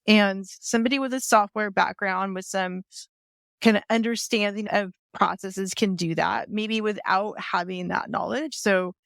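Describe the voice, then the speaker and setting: A woman's voice: mid-range voice, a bit bright, no echo. A woman guest on a podcast, speaking earnestly and thinking aloud about her work. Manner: earnest, thinks aloud with fillers like "you know". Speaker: guest, software company founder. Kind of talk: casual conversation.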